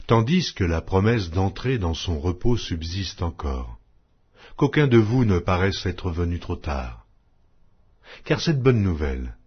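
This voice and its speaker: A man narrating scripture as an audiobook in a solemn, measured, declamatory manner. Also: low-pitched, breathy edge, muffled recording. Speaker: Bible narrator.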